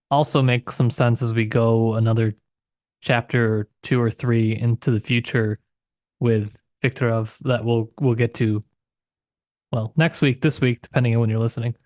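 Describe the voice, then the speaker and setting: A man's voice: medium pitch, dry recording, clean studio sound. A man co-hosting a casual literary discussion, analysing in a tentative, hedging way. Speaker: podcast co-host.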